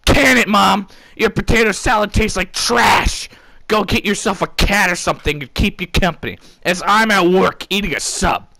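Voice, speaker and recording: A man's voice: sits high, moderate pace, vocal fry, pushed and bright, no room sound, voice pushed up, exaggerated voice, low-quality recording. A man voicing a pompous, clueless police chief who fancies himself a hero, boastful and melodramatic, in a comedic story. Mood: irritated shouting. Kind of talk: comedic first-person storytelling.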